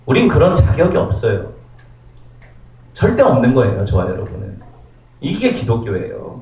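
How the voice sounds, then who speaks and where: A man's voice: medium pitch, huge pitch swings, moderate pace, a little mellow. A male pastor preaching a sermon, throwing many rhetorical questions at the congregation. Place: church sanctuary. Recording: roomy, distant, dull church recording.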